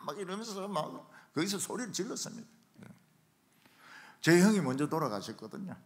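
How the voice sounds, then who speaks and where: A middle-aged man preaching a revival sermon in a church, telling stories and acting out shouted quotes. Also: high-pitched, fairly quick. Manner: animated storytelling, acts out shouted quotes. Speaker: pastor. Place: church sanctuary.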